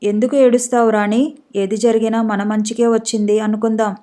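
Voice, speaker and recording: A woman reading the part of a grieving, resigned young man who drinks, in a subdued and gentle way, in an audiobook story. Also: a little high, level tone, moderate pace, natural voice. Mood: sorrowful.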